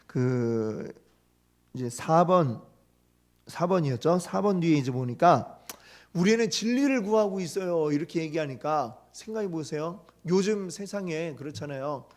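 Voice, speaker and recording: Man, pastor, high voice, teaching sermon, quizzing the congregation, storytelling. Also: measured pace. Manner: asks the congregation frequent questions; retells the story with lively acted quotes.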